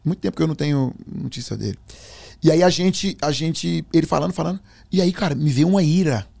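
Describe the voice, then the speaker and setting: Gravelly man telling a testimony. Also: on the high side, fast talker. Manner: animated storyteller, acts out voices, fillers. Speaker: guest giving a testimony. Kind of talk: conversational religious testimony.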